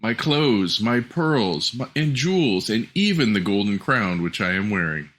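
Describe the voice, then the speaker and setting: A man's voice: fairly low pitch, sing-song, unhurried, a bit bright, slight background noise. A man voicing a spoiled, dainty young princess in a fairy tale, plaintive and disdainful. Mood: pleading.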